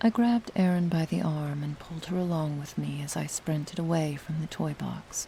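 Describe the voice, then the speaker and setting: A soft-spoken, somewhat breathy woman at a very deep, low pitch, with a soothing tone and a moderate pace. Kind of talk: sleep story. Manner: soft-spoken, soothing.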